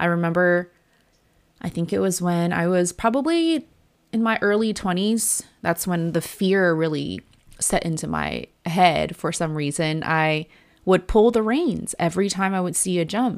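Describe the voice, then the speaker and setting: With a Canadian accent, a woman talks in a normal speaking voice at a fairly slow pace, her pitch fairly low with ordinary variation, in a very clean recording against a silent background. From Vancouver, Canada. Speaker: podcast host and fitness coach for equestrians. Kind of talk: solo podcast monologue.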